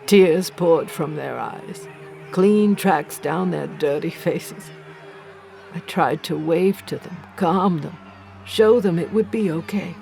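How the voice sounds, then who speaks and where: A woman playing an accused village healer, bitter and defiant, narrating a horror audio drama gravely and deliberately in a creaky voice. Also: deep voice, a little mellow, heavily acted. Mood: sorrowful, grim. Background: faint music.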